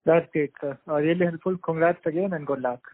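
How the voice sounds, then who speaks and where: Higher-pitched man on a thin phone line. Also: a little fast, no echo. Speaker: investment analyst asking questions. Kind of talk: polite question on an earnings call. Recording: narrow tinny phone line.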